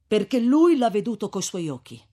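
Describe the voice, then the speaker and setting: A man's voice: high voice, big pitch swings, normal speed, warm tone, pitched above the performer's own voice. A man doing a resolute young man with news. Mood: eager.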